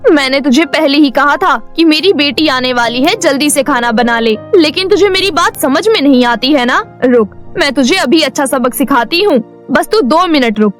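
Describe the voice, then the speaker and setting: A woman's voice: high-pitched, animated, moderate pace, few pauses, faint music behind. Woman voicing a harsh cartoon stepmother. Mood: harsh scolding. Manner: harsh scolding, insulting. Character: cruel shrill stepmother, middle-aged woman. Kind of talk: cartoon voice acting.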